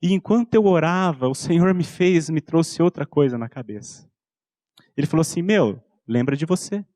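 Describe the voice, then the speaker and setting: A man in his thirties with a Brazilian Portuguese accent, preaching a sermon and telling a personal story, acting out soft-spoken dialogue with his son. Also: a little high, lively intonation, normal speed, no room sound, studio quality. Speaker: pastor.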